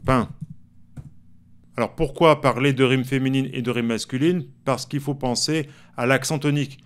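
A man with a French accent teaching a playful songwriting lesson at a whiteboard, chatting casually and sounding out words slowly. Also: mid-range voice, fairly even intonation, clean tone. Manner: chatty, playful, sings example lines slowly. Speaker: music teacher.

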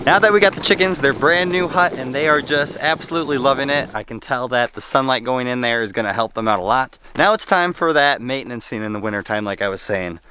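A man's voice: mid-range voice, fast, few pauses, background noise. Upbeat young man vlogging outdoors. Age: young adult. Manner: upbeat, chatty, talks to his animals. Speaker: homesteading vlogger. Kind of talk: casual talk to camera. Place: outdoors on a snowy farm. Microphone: handheld camera at arm's length.

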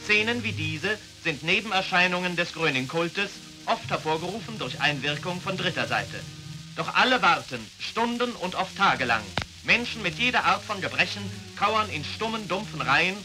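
A man with a high voice announces in a formal, measured way, his narration taken from an old newsreel. Loud music plays under him the whole time. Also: animated, poor audio. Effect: old newsreel archive recording.

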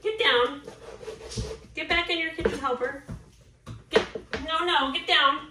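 A high-pitched woman in her thirties cooks at home with her toddler, chatting casually at a measured pace in patient, sing-song coaxing phrases. The camera sits on the kitchen counter, and the indoor kitchen gives a roomy echo with clear background noise.

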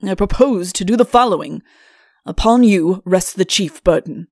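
A woman's voice: mid-range voice, normal speed, a little mellow, dry recording, studio quality, close to an everyday voice. A woman voicing a pompous, short-tempered, imperious king in a storybook reading. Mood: pompous dictating. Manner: imperious, stern, grandiose.

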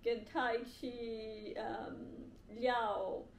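Halting foreign woman speaking Mandarin, very slowly. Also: on the high side, level tone. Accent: foreign, non-native Mandarin. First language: not Mandarin. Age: young adult. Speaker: language learner vlogger. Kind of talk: casual talk to camera. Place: indoor living room with bare wall, on sofa. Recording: echoey room, faint background hiss.

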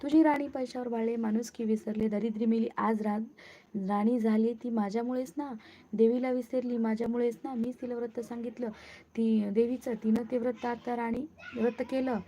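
A woman voicing a ragged, bitter old woman who scolds in a slow, reproachful way. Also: on the high side, level tone, mellow, close to an everyday voice. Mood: angry. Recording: muffled lo-fi recording.

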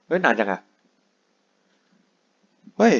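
A man's voice: slow pace, dull audio, noisy background. Rambling young man playing a game. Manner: rambling, joking, crude slang. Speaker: gaming YouTuber. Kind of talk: casual let's-play commentary.

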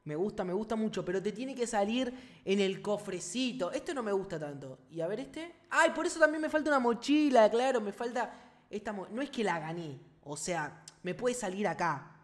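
A young man with a Rioplatense Spanish accent doing casual, excitable gameplay commentary full of slang, talking straight to his viewers. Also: high-pitched, moderate pace. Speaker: gaming youtuber.

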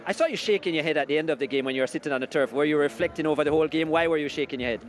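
A man interviewing a player after a football match, asking brisk questions. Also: a little high.

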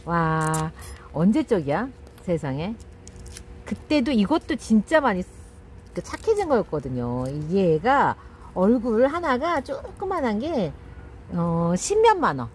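A middle-aged woman chats casually at home, her voice rising and falling in a lively, sing-song way. There is a faint hiss of room noise behind her, with her cat meowing now and then. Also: mid-range voice. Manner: chatty, scolds and coos at her cat. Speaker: channel host. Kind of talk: casual chat while repotting plants.

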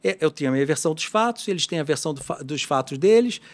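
A man, a guitar tech shop owner talking as a guest in a casual podcast conversation, animated and full of restarts. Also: a little high, quick pace. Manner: animated, talkative, with frequent restarts.

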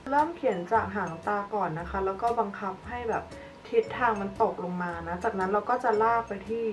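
A young woman beauty vlogger chats casually through a makeup tutorial, showing off products as she goes. Her voice is medium-pitched and fairly quick. She sits a bit far from the mic, with light music playing behind her.

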